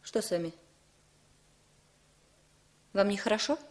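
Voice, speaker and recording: A brisk, controlling young wife. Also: female voice, mid-range voice, lively intonation. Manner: brisk, firm, commanding. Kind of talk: 1960s radio drama acting.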